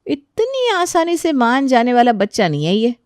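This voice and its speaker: A woman's voice: a little high, wildly swooping pitch, moderate pace, no echo, clean studio sound, voice pushed up. A woman voicing a clever young mother who coaxes her family in a sugary but firm way. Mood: suspicious. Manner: sugary coaxing with a stern edge. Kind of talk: storybook voice acting.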